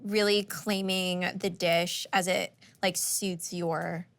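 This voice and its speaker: A woman's voice: fairly low pitch, flat delivery, slow pace, fairly bright tone. A woman with an American accent hosting and asking questions in a casual, attentive, affirming way. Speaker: host and interviewer. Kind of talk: casual, conversational interviewing. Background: music and frying sizzle.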